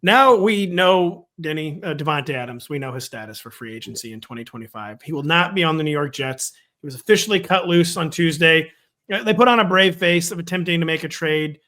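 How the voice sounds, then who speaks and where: A man co-hosting a casual sports chat, wry and joking, talking quickly and loosely. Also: a little high, animated, pushed and bright. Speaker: podcast co-host. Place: home in the Midwest.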